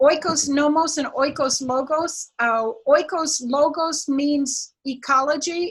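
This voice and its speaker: High pitch from a woman with an American accent, fairly slow, with ordinary pitch variation. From US South, Virginia. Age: 70s. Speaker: activist and systems thinker. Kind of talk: interview. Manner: halting, many restarts.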